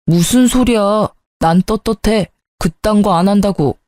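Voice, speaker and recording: A woman's voice: medium pitch, measured pace, darkish tone, no room sound, lightly acted. A woman reading as a brusque, defensive husband. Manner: brusque, dismissive. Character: defensive, self-justifying young husband. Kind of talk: storybook narration.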